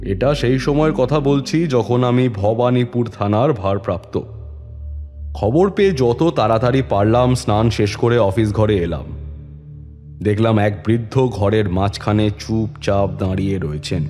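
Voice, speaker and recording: Male actor as police inspector, deep, dark-toned, calm authority, measured audio drama storytelling, reverberant, music underneath. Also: natural voice. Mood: grave narrating. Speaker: story reader and lead actor. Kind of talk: dramatised detective story narration. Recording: long reverb, music bed behind.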